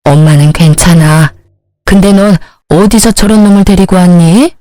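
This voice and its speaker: A woman voicing a dignified middle-aged mother who speaks in a calm, measured way, in a dry recording. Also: fairly low pitch, dry recording, natural voice.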